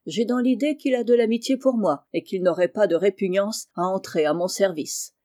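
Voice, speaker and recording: A woman voicing a kindly, blunt middle-aged male farmer in an audiobook, speaking low and hushed. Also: moderate pace, no room sound, clean studio sound, close to an everyday voice. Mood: gruff. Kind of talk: audiobook character reading.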